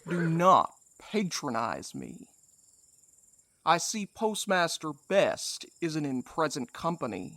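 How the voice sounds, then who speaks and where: An actor playing a menacing old cowboy spectre in an audio drama, with slow, folksy Western phrasing. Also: mid-range voice, very animated, gravelly, fairly bright tone, dry recording, clean studio sound, exaggerated voice. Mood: cold, offended.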